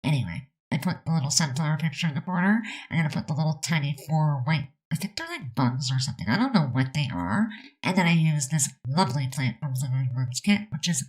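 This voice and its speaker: A woman narrates her Sims speed build in a low-pitched, darkish voice, talking fast with lively intonation. The chat is casual and rambling, full of fillers. She sounds stuffed up and close to sneezing.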